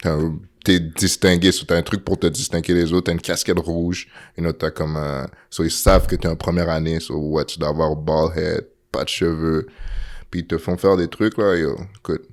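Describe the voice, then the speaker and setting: A young man from Montreal with a Quebec French accent, telling stories as a podcast guest in animated casual chat, mixing in English slang. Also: low-pitched, moderate pace. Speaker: guest football player.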